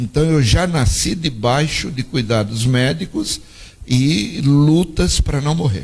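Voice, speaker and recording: Somewhat breathy and fairly high, a man's voice moves at a very slow pace with lively intonation. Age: 60s. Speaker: pastor. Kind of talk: testimony.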